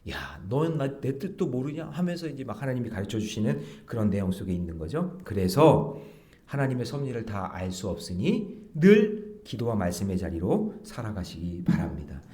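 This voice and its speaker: A middle-aged male pastor delivers an early-morning sermon with a chatty, animated preaching style. His tone is mellow and relaxed, and his pitch rises and falls widely as he slips into quick bits of acted dialogue. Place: church sanctuary.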